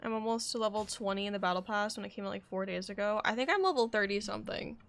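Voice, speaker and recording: Creaky-voiced young woman streaming a game. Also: medium pitch, fast, a bit bright, slight background noise. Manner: rambling, thinking aloud. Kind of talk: casual live gameplay commentary. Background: game music.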